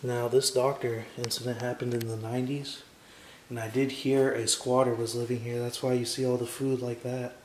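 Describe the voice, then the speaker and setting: A man's voice: medium pitch, little pitch movement, moderate pace, a little mellow. A young man narrates his walk through a large empty house for his camera, awed and on edge, calling out into the rooms and dropping to a whisper. His tone stays fairly level. The bare rooms ring with echo, and a faint hiss sits under the camera mic. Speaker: urban explorer. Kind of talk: exploration vlog narration. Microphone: handheld camera mic.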